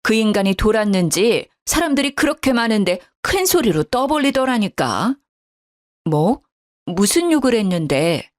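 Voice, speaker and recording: A woman's voice: medium pitch, sing-song, normal speed, natural voice. A woman voicing an indignant middle-aged mother in a storybook drama, talking in an agitated, scolding way.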